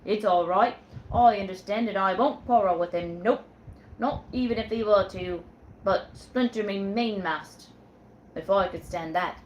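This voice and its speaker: A woman voicing a jealous male sailor who talks in blunt, loud nautical slang. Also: mid-range voice, unhurried, slight background noise, close to an everyday voice, poor audio. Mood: blustering. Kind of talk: read-aloud storytelling.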